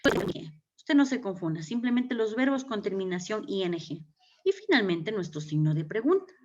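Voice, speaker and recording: A woman's voice: medium pitch, very animated, normal speed, noisy background. A woman teaching English grammar in Ecuadorian Spanish during an online class, explaining step by step and checking in with "okay?". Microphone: computer mic on a video call. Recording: dull lo-fi video call audio.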